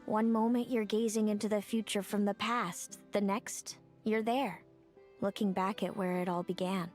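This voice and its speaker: Woman doing a calm know-it-all mystery lady in a game, slow and musing. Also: mid-range voice, lightly acted. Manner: slow, measured, philosophical. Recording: game audio with faint music.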